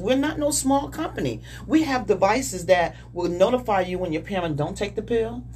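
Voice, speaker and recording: Over noticeable background noise, a woman with a medium pitch swings very widely up and down. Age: 50s. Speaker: security business owner. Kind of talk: casual interview. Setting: studio.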